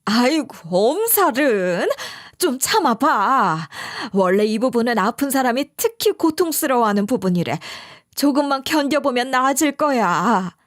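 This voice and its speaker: A meddling older mother-in-law, voiced by a woman in a story read for radio. She nags and scolds, with a lively, swinging pitch and a dry, close sound. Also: unhurried, no room sound. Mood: scolding. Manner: nagging, scolding.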